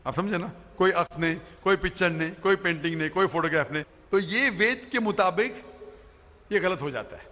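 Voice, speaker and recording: A middle-aged male preacher with a fairly high, bright, forceful voice explains his points emphatically, again and again checking that the crowd follows him. He speaks into a stand microphone on a big arena stage, and a long hall reverb trails behind his words. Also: fairly quick, dull audio. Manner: emphatic, explanatory, often asks "you understand?". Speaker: Islamic preacher answering audience questions. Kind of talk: public question-and-answer lecture. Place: huge indoor arena stage before a large crowd.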